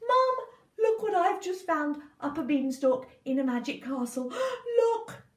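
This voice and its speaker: A woman voicing an eager young boy who speaks in quick, breathless exclamations, recorded in a roomy space from a distance. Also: high voice, big pitch swings, voice pushed up. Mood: excited. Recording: roomy sound from a distant mic.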